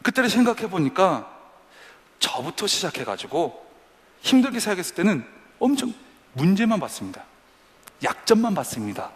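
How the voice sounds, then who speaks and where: Lively, high-voiced preaching man in a reverberant church. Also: moderate pace, pauses often. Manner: dramatic, acts out quoted prayers and complaints. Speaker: pastor. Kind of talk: sermon. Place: church service for young adults.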